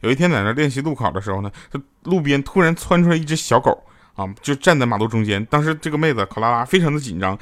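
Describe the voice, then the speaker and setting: Lively male comic, stand-up set, swooping playful delivery. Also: mid-range voice, quick pace. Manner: animated joke-telling with playful asides. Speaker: comedian and sponsor spokesman. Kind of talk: stand-up comedy monologue.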